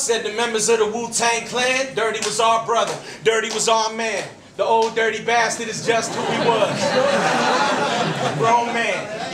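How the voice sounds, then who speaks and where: A man performing rhyming slam poetry with a forceful, rhythmic, theatrical delivery. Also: extremely high pitch. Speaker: slam poet. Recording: echoey live room.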